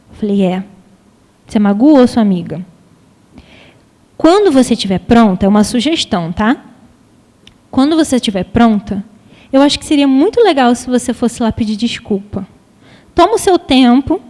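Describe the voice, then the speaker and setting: High-voiced Brazilian woman lecturing in a hall. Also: a little mellow. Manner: conversational, addresses the audience directly with questions. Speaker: speaker at a public talk on emotional education. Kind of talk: public lecture with anecdotes. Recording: long hall reverb.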